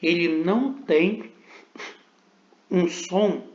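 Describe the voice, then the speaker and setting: A man with a Brazilian Portuguese accent teaching Greek pronunciation in a recorded lesson, slowly sounding out words and syllables for the student to repeat. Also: sits high, darkish tone. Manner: slow, deliberate pronunciation drills with repetitions. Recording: roomy, dull lo-fi recording.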